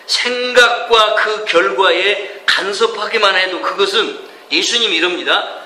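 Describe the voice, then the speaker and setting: Emphatic high-voiced man preaching. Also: a little slow, bright, forceful tone, a little hiss or hum. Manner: folksy, emphatic, asks the audience questions. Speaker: preacher teaching a course. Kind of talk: sermon-style lecture. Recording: echoey room with faint ambience.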